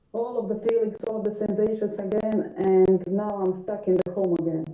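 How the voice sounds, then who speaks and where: Her intonation monotone and flat, a woman speaks at a medium pitch and a moderate pace. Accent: non-native. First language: not English. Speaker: anxiety sufferer asking a question. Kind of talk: live Q&A. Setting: livestream. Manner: halting, many fillers.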